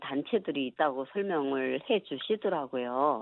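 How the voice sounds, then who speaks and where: The woman has a plain, everyday voice and lively intonation. She speaks at a fairly slow pace. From North Korea (Chongjin). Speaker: North Korean defector. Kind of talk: radio interview. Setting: phone call.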